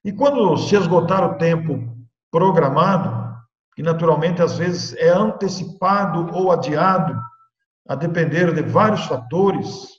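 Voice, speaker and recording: An older man with a Brazilian Portuguese accent gives a spiritist lecture over a webcam, speaking in measured, emphatic phrases with dramatic pauses. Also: a little high. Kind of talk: devotional lecture. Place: indoor room at home. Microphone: laptop webcam, video call framing. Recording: echoey room, long reverb, dull lo-fi sound.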